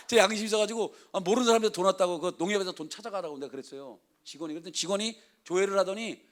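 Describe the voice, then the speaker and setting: A middle-aged man, a guest pastor, preaching a lively, humorous storytelling sermon that he often breaks with laughter. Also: sits high, rapid-fire, few pauses. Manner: chatty and humorous, laughs often, acts out prayers and declarations.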